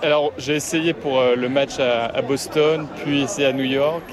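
A football fan answering a reporter's questions outdoors on a city street, in short relaxed replies. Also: male voice, medium pitch, moderate pace. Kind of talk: street interview. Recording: busy street with crowd. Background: crowd of fans.

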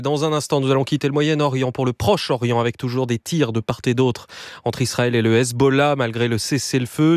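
A man presenting live radio news as the anchor, measured and steady, with the odd hesitation. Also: mid-range voice, no echo.

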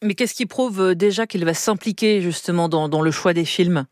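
A woman radio host gives a brisk scripted introduction and asks direct interview questions. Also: on the low side, a little mellow, dry recording, clean studio sound.

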